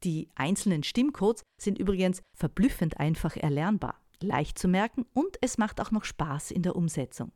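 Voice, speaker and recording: A woman voice coach giving calm, scripted instructional advice, often asking rhetorical questions. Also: lowish voice, normal speed, hardly any pauses, no room sound, clean studio sound. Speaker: voice and sales-speech coach.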